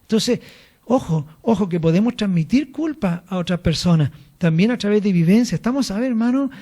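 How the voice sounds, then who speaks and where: A man's voice: sits high, animated, a little fast, dark tone. A man with a Chilean accent preaching in a church, emphatic and speaking straight to the congregation. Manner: emphatic, addresses listeners directly as brothers. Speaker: apostle, church leader. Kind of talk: sermon.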